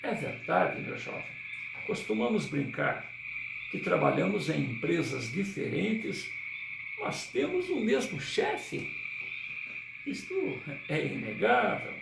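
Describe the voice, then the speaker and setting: A man reading the lines of a kindly older priest, speaking in a warm, reassuring way. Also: a little high, huge pitch swings, slow, vocal fry, echoey room, far from the mic, noisy background, heavily acted.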